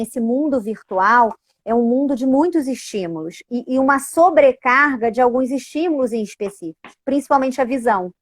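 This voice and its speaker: High-voiced woman chatting animatedly. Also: no room sound. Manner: animated, frequent tag questions. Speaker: educator and parent. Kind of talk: casual conversational talk.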